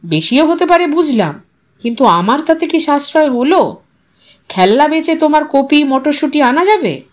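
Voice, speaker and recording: A woman's voice: sits high, very animated, moderate pace. A woman voicing a stern, angry husband who is short of money, curt and sarcastic, in a dramatised audio story. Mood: bitter sarcasm.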